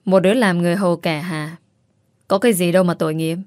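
A calculating young wife who coldly plots her next move, read by a woman. The voice sits fairly low, and the sound is dry and close. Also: fairly even intonation, fast talker, darkish tone, no echo, lightly acted. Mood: scheming. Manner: cold, calculating. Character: scheming young wife feigning madness.

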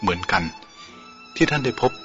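A man narrating a novel aloud in a measured, steady storytelling manner. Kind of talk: audiobook novel reading. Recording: dull lo-fi with faint music.

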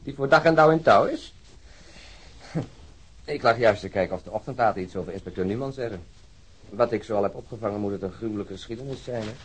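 A man playing a wry, reflective, argumentative police colleague in a crime radio drama, with a husky voice. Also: lowish voice, quick pace, pauses often, slight background noise, lightly acted. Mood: teasing.

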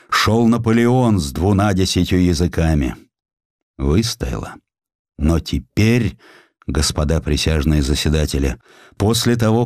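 A man's voice: low-pitched, a little mellow, dry recording, clean studio sound, exaggerated voice. A man voicing a shrewd, blunt lawyer of Tsarist Russia in a declamatory, oratorical manner, as in an audio drama.

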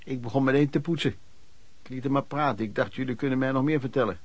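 A man's voice: mid-range voice, fast talker, slightly rough, natural voice. An actor playing a man who narrates his hard, hopeful youth as a street trader, in colloquial first-person radio play style. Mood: plain reminiscing. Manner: colloquial, storytelling, clipped phrases.

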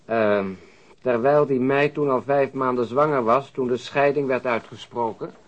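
A man's voice: medium pitch, fairly even intonation, moderate pace, dull audio, natural voice. An actor playing a blunt, sardonic police colleague in a radio crime drama, teasing in his manner. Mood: casual, reading.

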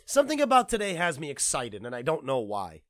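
Man, podcast host, rambling casual talk, excited, swears a little, slightly high voice, dry close sound. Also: a little fast, no room sound. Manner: rambling and excitable, tripping over words.

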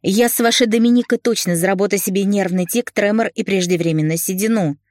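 A woman's voice: medium pitch, fairly quick, darkish tone, no echo, clean studio sound, pitched above the performer's own voice, lightly acted. A woman reading an audiobook, voicing an indignant sixty-year-old nanny who exclaims in exasperation. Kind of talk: audiobook narration.

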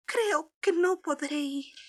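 A woman voicing a gentle, humble young girl with a wistful temper on a children's storybook record. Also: high-pitched, slow, pitched above the performer's own voice. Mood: wistful, dejected.

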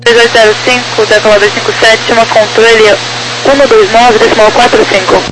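A woman's voice: on the high side, flat delivery, normal speed. Crackly radio, Brazilian woman tower controller. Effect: crackly aviation radio. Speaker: air traffic tower controller. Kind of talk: procedural aviation radio phraseology. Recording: noisy, crackly air-band radio.

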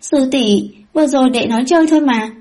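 A woman's voice: high voice, fairly quick, pitched above the performer's own voice, close to an everyday voice. A woman voicing an overdramatic teenage boy disciple who whines and clings to his senior sister. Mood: wheedling. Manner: whiny, excitable.

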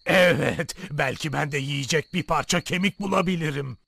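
An actor voicing a hungry, eager dog with a creaky voice and expressive delivery in a fairy-tale cartoon. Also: mid-range voice, moderate pace, very noisy. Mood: hopeful. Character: hungry dog in runaway animal band.

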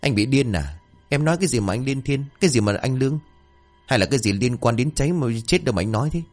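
A man's voice: mid-range voice, lively intonation, quick pace, faint music behind, pitched above the performer's own voice, lightly acted. A man voicing an exasperated young sister. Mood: exasperated scolding. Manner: exasperated, scolding. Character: gentle dutiful young woman, scolding her wayward brother.

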